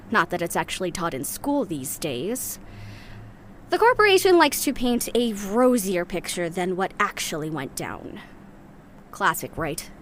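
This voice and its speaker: A woman's voice: mid-range voice, slight background noise, close to an everyday voice. An actress playing a blunt, irritated young rebel woman in an audio drama, recording a log in a dry, sardonic way. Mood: sardonic, determined.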